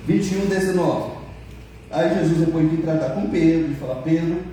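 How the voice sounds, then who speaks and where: Brazilian pastor guy preaching, kinda high voice but dark and mellow, super echoey church hall, sounds far from the mic. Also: moderate pace, a little hiss or hum. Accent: Brazilian Portuguese. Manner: jokes with the congregation; acts out quoted dialogue. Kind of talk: sermon.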